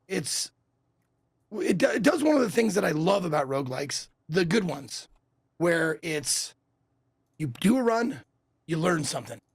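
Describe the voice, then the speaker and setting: A man co-hosting a casual gaming podcast, his voice raspy and hoarse from a bad voice day, talking in an animated way and giving advice. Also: sits high, no room sound, clean studio sound. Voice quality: raspy, strained voice. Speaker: podcast co-host.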